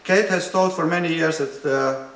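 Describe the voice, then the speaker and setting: A man from Romania moderating an academic panel, introducing speakers in a measured way with frequent fillers and dry humor. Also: on the high side, fairly bright tone. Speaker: higher education policy researcher. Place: conference hall. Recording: echoey conference hall.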